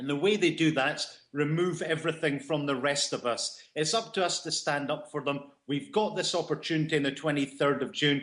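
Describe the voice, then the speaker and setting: This man has a strong Scottish accent and a fairly high pitch. He talks at a moderate pace. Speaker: trade union campaigner. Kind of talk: interview on political talk radio.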